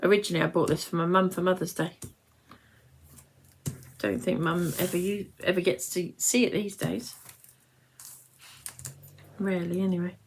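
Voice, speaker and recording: A British woman of nearly fifty presents a craft tutorial in a slightly low-pitched voice. She talks casually and wanders between instructions and chat with viewers. There is some light noise behind her. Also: fairly even intonation, normal speed, gravelly, pauses often. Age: late 40s, nearly fifty. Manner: chatty, rambling, breaks off to greet viewers.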